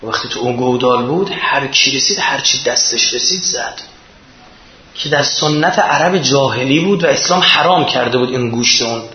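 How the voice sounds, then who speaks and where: Man, preaching, impassioned, emphatic, reverberant room, dull lo-fi sound. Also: mid-range voice. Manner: impassioned, rising to emphatic peaks. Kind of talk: religious sermon. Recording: echoey dull lo-fi.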